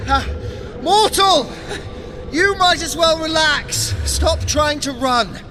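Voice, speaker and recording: An actor playing a smug, sardonic trickster god with a dry, self-satisfied manner in an audio adventure drama. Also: male voice, extremely high pitch, animated, slow, noisy background, exaggerated voice. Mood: rattled, flippant. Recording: music behind the voice.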